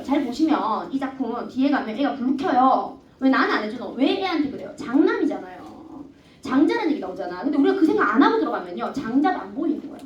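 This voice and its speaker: A Gyeongsang-accented woman teaches a literature class with a bright, high voice that swings up and down. She keeps tossing questions at her students. The sound is dull and echoey, picked up from across the classroom. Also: distant mic. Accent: Gyeongsang dialect. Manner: lively, asks students questions constantly. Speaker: Korean language teacher. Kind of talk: classroom lecture.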